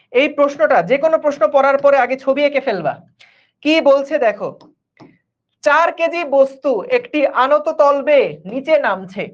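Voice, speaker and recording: A man, teaching physics in an online class in a chatty way that keeps checking the students follow. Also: very high-pitched. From Bangladesh. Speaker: physics tutor. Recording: dull lo-fi stream audio.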